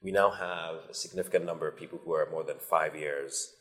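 A man from Nigeria, a company founder, answering interview questions in a measured, thoughtful way with frequent pauses. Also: extremely low pitch, fairly even intonation, fairly bright tone. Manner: measured, thoughtful, many ums.

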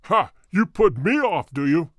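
A man's voice: fairly high pitch, big pitch swings, unhurried, dry recording. A man voicing a huge, fierce old country doctor who snarls threats furiously.

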